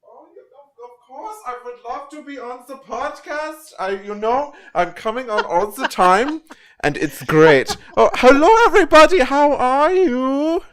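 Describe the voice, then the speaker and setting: A man's voice: very high-pitched, lively intonation, unhurried, fairly bright tone, pitched above the performer's own voice, heavily acted. A man voicing a pompous, giggly mandatory fun commissioner with a put-on German-like accent, running a party game. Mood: gushing. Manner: exaggerated, giggly, fumbling showman.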